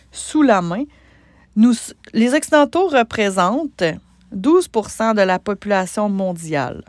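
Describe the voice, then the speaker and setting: A woman with a Québécois French accent, a business coach hosting a solo podcast, talking conversationally with many pauses and restarts. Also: mid-range voice, darkish tone, no room sound, studio quality.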